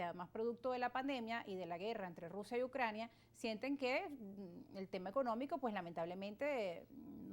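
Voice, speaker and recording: A mid-pitched woman hosts an interview in a conversational way. She sets up topics for her guest and backs her up with brief listening replies. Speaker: interview host.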